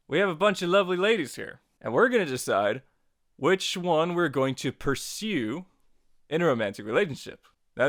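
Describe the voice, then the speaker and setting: A man narrates a casual how-to tutorial in a smooth, clear voice of average pitch. He is chatty and playfully wry. The sound is dry, with no room echo. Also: fairly bright tone. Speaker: tutorial host.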